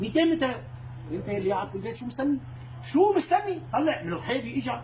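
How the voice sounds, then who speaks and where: A male speaker against noticeable background noise. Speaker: stove seller. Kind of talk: comic local advertising sketch.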